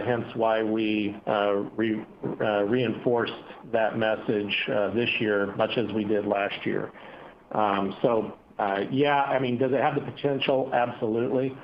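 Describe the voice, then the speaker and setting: A man speaking as a company executive, answering analysts on an earnings call in measured corporate phrasing with hesitant pauses. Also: on the low side. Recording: dull, noisy conference call audio.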